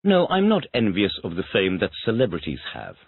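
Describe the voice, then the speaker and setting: Deep husky man answering drill questions. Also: huge pitch swings, a little fast. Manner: repeats each question back in complete sentences. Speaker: English student. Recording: tinny phone-like dry audio.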